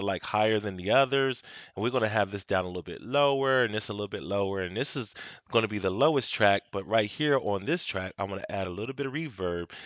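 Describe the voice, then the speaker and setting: A man with a lowish voice walks viewers through a software tutorial, relaxed and instructive, dropping in "um" and "okay" as he goes. The sound is close and dry, recorded at his home desk with no room around it. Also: dry recording. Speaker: video tutorial host. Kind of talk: casual software tutorial walkthrough. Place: home desk at a desktop computer.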